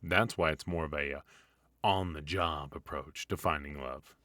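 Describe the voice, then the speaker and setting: Man playing a deep-voiced, playfully sinister retired villain husband. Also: steady tone, bright, forceful tone, no room sound, studio quality. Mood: wry, teasing. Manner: teasing, theatrical, conversational with pauses and chuckles. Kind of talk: ASMR roleplay, comedic monologue to listener.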